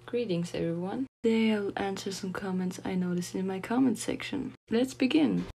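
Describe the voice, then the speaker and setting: A young woman from Austria, a German speaker, calmly answering viewer comments about her paper dragon puppets in plain, slightly halting English. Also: mid-range voice, creaky, loud music behind the voice.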